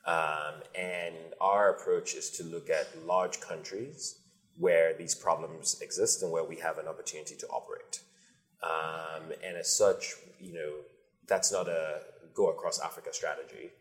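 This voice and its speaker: A man from Nigeria, a company founder, answering interview questions in a measured, thoughtful way with frequent pauses. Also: very deep voice, flat delivery. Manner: measured, thoughtful, many ums.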